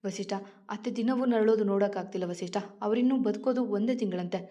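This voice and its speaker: A woman's voice: mid-range voice, fast, dark tone, lightly acted. A woman voicing a caring young wife who pleads emotionally in a storybook reading. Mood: pleading tearful.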